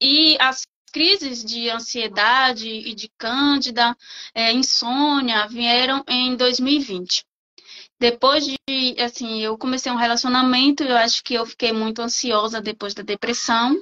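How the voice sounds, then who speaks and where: A woman with a high voice, speaking at a fairly slow pace with fairly even intonation. Her tone is bright and sharp, and the sound is dry and close, with no echo. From Bahia interior, Brazil. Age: 30s. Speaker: client sharing experience. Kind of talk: testimony.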